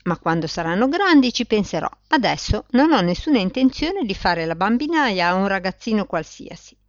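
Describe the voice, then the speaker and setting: A woman's voice: medium pitch, sing-song, normal speed, no room sound, dull audio, lightly acted. A woman reading aloud, voicing a rude, mocking woman with dyed hair. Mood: sneering.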